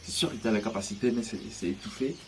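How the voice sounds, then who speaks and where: A man, lowish in pitch, recounts his own story. He halts and restarts often, searching for words. Faint birdsong stays behind him outdoors. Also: slight background noise. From Côte d'Ivoire. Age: 30s. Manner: hesitant, halting, many restarts. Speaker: interviewee. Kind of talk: personal testimony.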